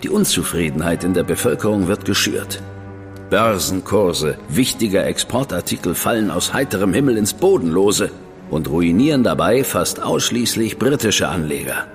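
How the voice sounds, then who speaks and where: An actor playing a cool, arrogant government official who speaks in a measured, superior, quietly threatening way. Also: male voice, sits low, animated, long reverb tail, faint music behind. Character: cool, arrogant high official, man, middle-aged. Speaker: government official recruiting an investigator. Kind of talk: radio play acting.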